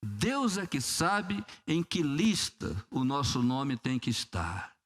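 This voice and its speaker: A man's voice: mid-range voice, big pitch swings, slow pace, a bit bright. A man with a Brazilian Portuguese accent, a pastor preaching a sermon in church, telling a story and acting out prayers with humor. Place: church sanctuary.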